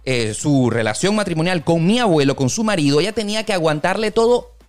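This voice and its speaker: A man hosting a casual podcast, curious and questioning. His pitch swings widely as he talks. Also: expressive, fairly quick. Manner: curious, asks probing questions. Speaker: host.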